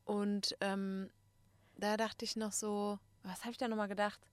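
A woman's voice: medium pitch, a little slow, clear, resonant tone, no echo. A woman chatting casually and animatedly, acting out little stories. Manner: animated storyteller, acts out quoted voices. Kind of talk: casual chat.

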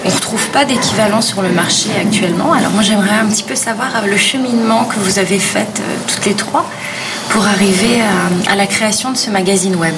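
A woman's voice: medium pitch, brisk. Woman podcast host, distant mic, noisy room. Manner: friendly prompting questions. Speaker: podcast interviewer. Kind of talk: interview questions.

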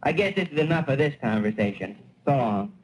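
A man's voice: medium pitch, lively intonation, fairly quick, close to an everyday voice. A man playing a self-satisfied, pondering small-town American family man in a 1940s radio play. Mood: boastful. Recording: dull, hissy vintage radio recording.

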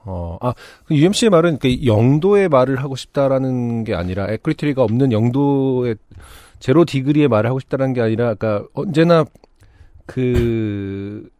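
A man's voice: medium pitch, animated, moderate pace, mellow, no echo, studio quality. A man co-hosting a podcast, speaking in a thoughtful, hesitant way with many fillers. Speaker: podcast co-host. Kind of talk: casual chat.

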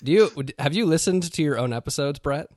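A man's voice: fairly high pitch, lively intonation, a little fast, darkish tone, dry recording. Podcast host guy, chatty and self-mocking, dry close sound. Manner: chatty, self-deprecating, laughs often. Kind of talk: casual chat.

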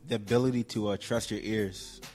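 A man's voice: fairly low pitch, fairly even intonation, brisk, darkish tone, faint music behind. A man talking casually and with slang as a guest on a producers' panel. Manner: slangy, terse interjections. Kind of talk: casual chat.

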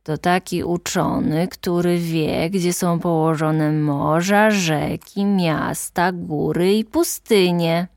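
A woman voicing a pompous older male geographer who lectures slowly and with self-importance. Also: on the low side, steady tone, darkish tone, no room sound, studio quality. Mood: lecturing.

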